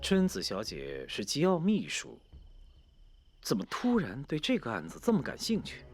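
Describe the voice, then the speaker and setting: An actor playing a self-assured, teasing police detective in a Chinese period TV drama, probing and understated in manner. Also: male voice, mid-range voice, huge pitch swings, normal speed, faint music behind.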